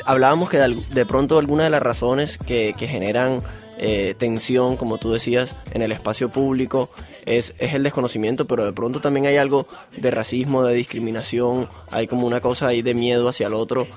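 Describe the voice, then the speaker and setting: A male radio host with a middle-pitched voice asks long, rambling questions with many pauses. Faint music sits low behind him. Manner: rambling, hesitant questions with fillers.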